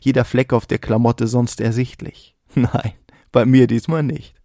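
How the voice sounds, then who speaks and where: A man's voice: medium pitch, fairly even intonation, a little slow, creaky, mellow, no echo, clean studio sound. A man performing his own spoken-word poetry in a rhythmic, vivid delivery, laughing off his own slips. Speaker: poet and podcast host.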